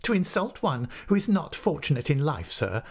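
An anguished schoolmaster from a storybook acted out by a man reading aloud. His voice rides high and swoops with indignation. He is formal and tremulous, tripping over words as he clings to his dignity. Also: big pitch swings, fairly quick, darkish tone. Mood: indignant, wounded. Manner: agitated, stammering, formal. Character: anguished adult male schoolmaster, indignant, trembling, wounded dignity.

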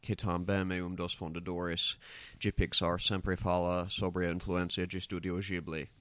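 Deep-voiced American man speaking Portuguese. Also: flat delivery, unhurried, a bit bright, no room sound. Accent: American English. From United States. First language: English. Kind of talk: casual film discussion.

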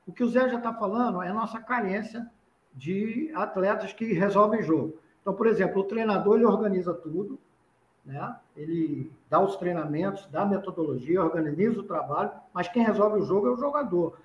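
Male pundit from Recife, high voice, repeats points, dull lo-fi room sound. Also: brisk. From Recife, Brazil. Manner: explanatory, repeats points for emphasis. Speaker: football pundit. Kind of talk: casual panel discussion. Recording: dull lo-fi roomy recording.

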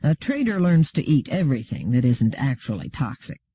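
A man's voice: mid-range voice, big pitch swings, normal speed, mellow, slightly rough. A man voicing a brash, cheeky, well-travelled settler trader in an audiobook, laconic and self-assured. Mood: matter-of-fact. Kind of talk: audiobook character dialogue. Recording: roomy, dull lo-fi audio.

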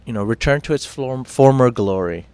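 A man's voice: medium pitch, lively intonation, normal speed, a little mellow, clean tone. A man with a British accent hosting a morning TV show, talking through news in a chatty, self-mocking way with fillers and restarts. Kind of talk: casual news chat.

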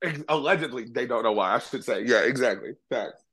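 A man's voice: mid-range voice, a little fast, a bit bright, slightly rough. A man with an African American accent in casual, slangy and profane sports banter, speaking emphatically as a podcast co-host.

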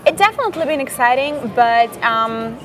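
A woman's voice: a little high, animated, normal speed. Slovak-accented woman chatting over music. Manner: chatty, non-native phrasing, searches for words. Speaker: guest. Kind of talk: casual interview chat. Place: hotel lounge with music playing.

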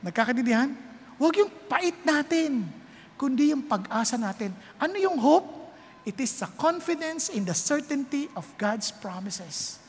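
A woman preacher giving a sermon, telling a story with animated swings between loud exclamations and hushed tones. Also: high voice, measured pace. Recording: long hall reverb.

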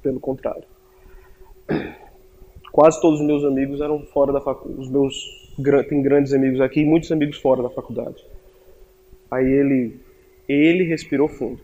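A young Brazilian man tells a personal story to a crowd with jokes and plenty of self-mockery. His voice sits a bit higher than most men's. He speaks in a lively, animated way. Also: moderate pace, pauses often, lo-fi sound. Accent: Brazilian Portuguese. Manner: joking, self-mocking, animated.

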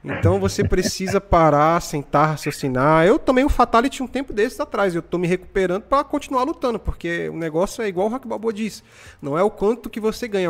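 A Brazilian man in his twenties hosting a live stream, telling stories in casual, slangy, animated motivational chat. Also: high-pitched, vocal fry. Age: 20s.

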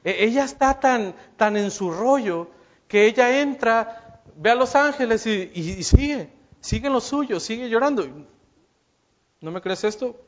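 A man's voice: very high voice, animated, measured pace, muffled recording. A man preaching a sermon, speaking straight to his listeners with rhetorical questions and acting out the lines he quotes.

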